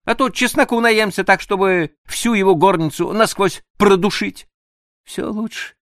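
A man reading an audiobook, voicing an impulsive young woman in a high, excitable voice. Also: normal speed, no room sound, studio quality, natural voice. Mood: giddy scheming. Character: young frightened then overjoyed woman, impulsive.

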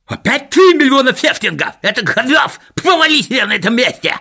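A man voicing a greedy, whiny rich old miser in a raspy, creaky squeal, haggling indignantly. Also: medium pitch, lively intonation, moderate pace, a bit bright, voice pushed up, full character voice. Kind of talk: audiobook character voice.

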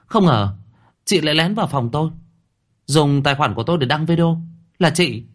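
A man's voice: mid-range voice, big pitch swings, slow pace, a little mellow, voice pushed up. A man voicing a spoiled, scheming teenage girl who whines and coldly blames others. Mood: accusing. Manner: whiny, then cold and accusing.

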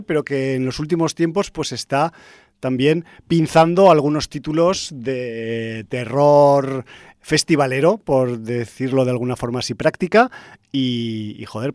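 A man's voice: mid-range voice, a little mellow, dry recording, clean studio sound. Chatty, easily amused man co-host. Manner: chatty, laughs easily, quick to add jokes. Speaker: podcast co-host. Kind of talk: casual film-release chat.

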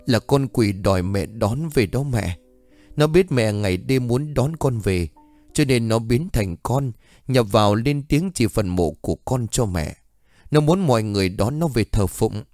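A man's voice: medium pitch, animated, a little slow, a little mellow, no room sound, faint music behind. Man voicing a pained stranger claiming to be a fallen soldier. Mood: pleading. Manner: pleading, pained.

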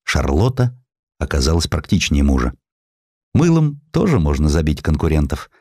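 Deep-voiced guy reading a history audiobook, very animated delivery, dry studio sound. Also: normal speed, no room sound. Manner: expressive, lively reading with acted quotes. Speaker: narrator. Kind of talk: scripted audiobook narration of a historical essay.

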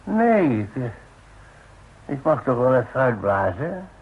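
An actor in a Dutch radio play playing a weary, evasive older father who speaks in halting, hesitant phrases. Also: mid-range voice, very animated, slightly rough, full character voice. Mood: flustered, evasive. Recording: tinny, narrow-band old radio recording.

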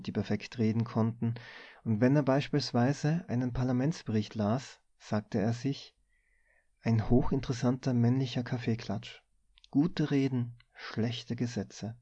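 A man reading a story aloud as an audiobook, in measured, deliberate scripted narration. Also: mid-range voice, mellow, dry recording, dull audio. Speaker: audiobook reader.

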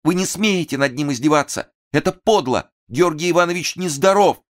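A man doing a shrill, devoted young actress. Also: normal speed, natural voice. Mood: outraged. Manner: shrill, pleading.

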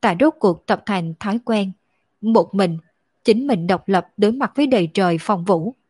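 A woman's voice: medium pitch, a little mellow, husky, no room sound, studio quality, natural voice. A woman reading as a grieving orphan girl. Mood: sorrowful. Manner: slow, grieving, choked delivery. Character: lonely orphaned young woman, sorrowful and tearful.

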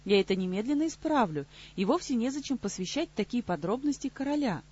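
A woman's voice: a little high, animated, fast, a little mellow, slightly rough, muffled recording, pitched above the performer's own voice. A woman doing a timid, pleading half-elf man. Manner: pleading, anxious, whining. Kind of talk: audiobook character voice.

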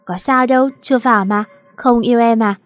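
A woman's voice: fairly high pitch, brisk, no room sound, soft background music, close to an everyday voice. A woman voicing a clingy, coaxing young mistress in a read-aloud story. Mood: coy. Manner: coaxing and coy.

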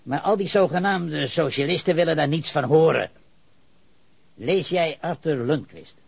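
A man's voice: on the high side, a little slow, gravelly, darkish tone, husky, no echo, full character voice. An actor playing an evasive, argumentative, pedantic male witness with leftist ideals in a radio drama. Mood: earnest, argumentative.

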